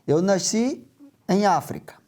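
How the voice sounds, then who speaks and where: Older man from angola, ironic and chatty, mellow voice, somewhat high, studio interview guest. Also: animated, takes it slowly. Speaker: lawyer guest.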